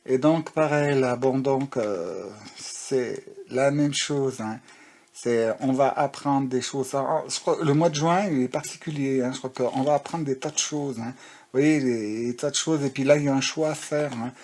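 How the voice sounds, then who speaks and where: A man of ordinary pitch talks through a tarot reading, searching for words and starting over as he goes. Faint clicking noises can be heard behind him. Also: moderate pace, a little mellow, slight background noise. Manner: rambling, full of fillers and restarts. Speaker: tarot card reader. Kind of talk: casual spiritual guidance talk.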